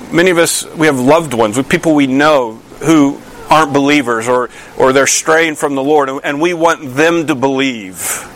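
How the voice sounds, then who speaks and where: A man's voice: on the high side, fairly bright tone, slight background noise. A male pastor delivering a conversational sermon, asking his listeners many questions and often restarting his sentences. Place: church.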